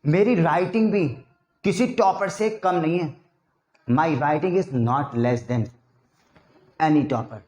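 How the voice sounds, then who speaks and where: Slow, high-voiced man teaching English. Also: reverberant. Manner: chatty, repeats example sentences slowly for drilling. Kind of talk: spoken English lesson in Hindi.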